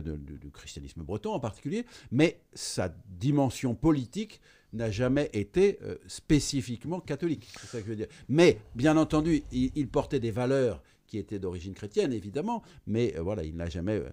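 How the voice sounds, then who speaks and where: A man's voice: lowish voice, dark tone. A man speaking on a discussion panel, insistent and repeating himself as he makes his point.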